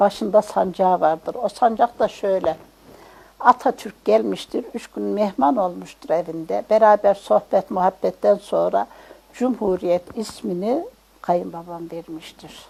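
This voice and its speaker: Very slow pace from a woman at medium pitch, lively intonation and big swings in loudness. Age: 80s+. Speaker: elderly storyteller, descendant by marriage of a religious lineage. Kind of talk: oral storytelling in an interview. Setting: at her home.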